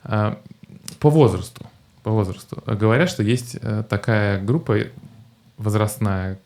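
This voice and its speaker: A middle-aged man hosting a casual group podcast, joking and laughing often, halting with fillers. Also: lowish voice, a little mellow. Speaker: podcast host.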